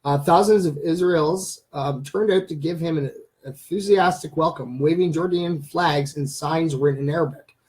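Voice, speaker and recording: A man's voice: a little high, normal speed, hardly any pauses, darkish tone. A man in his thirties hosting a casual live stream, reading out news items with lots of ums and uhs. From Canada. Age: 30s. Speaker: livestream host.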